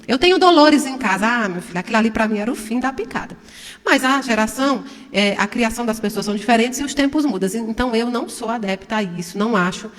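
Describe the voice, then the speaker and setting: Woman, middle-aged, from Brazil, spiritist lecturer, chatty talk to a crowd, fairly high voice, reverberant hall. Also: animated, fast talker. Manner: chatty, asks the audience questions, acts out shouts. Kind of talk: informal spiritual talk to an audience. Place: large hall before an audience.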